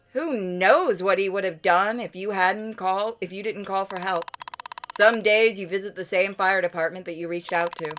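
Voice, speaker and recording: Bright-voiced woman narrating a game. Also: mid-range voice, slight background noise. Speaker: game streamer. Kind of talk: dramatic read-aloud game narration with candid reactions.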